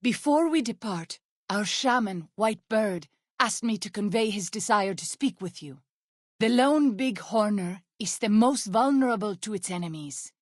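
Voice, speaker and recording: A woman's voice: medium pitch, lively intonation, no echo, clean studio sound. Solemn tribal woman, formal and devout. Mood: calm, courteous. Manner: formal, measured, earnest speech with few contractions. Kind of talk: video game character dialogue.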